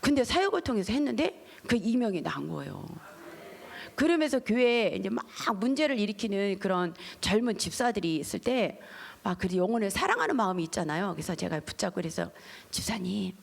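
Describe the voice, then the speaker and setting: A middle-aged woman, a pastor's wife, giving a lively testimony sermon at a church service and acting out the voices in her stories. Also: medium pitch, brisk, vocal fry. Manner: animated storytelling, acting out quoted voices. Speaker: pastor's wife, guest speaker.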